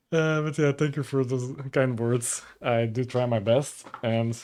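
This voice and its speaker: A young man who speaks English with a Portuguese accent, chatting casually on his stream. He keeps his voice deliberately low and calm over a dry throat, and he chuckles often between phrases. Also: slight background noise. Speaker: livestreamer. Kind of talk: casual stream chat reading viewer comments.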